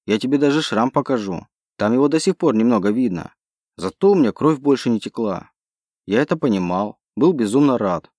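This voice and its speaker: A man reads a first-person audiobook in a steady, measured way. His voice is mid-pitched. The recording is dry and close, with no room sound. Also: no echo. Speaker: audiobook narrator. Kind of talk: scripted narration of a sci-fi novel.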